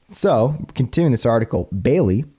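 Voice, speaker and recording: A man hosting a casual history podcast, chatty and quick to laugh. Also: mid-range voice, lively intonation, mellow. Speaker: podcast host.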